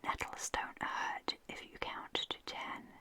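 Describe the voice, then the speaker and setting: A reader voicing a kind little female black hen in a soft, unvoiced whisper, as part of a whispered poem reading. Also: slow. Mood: gentle.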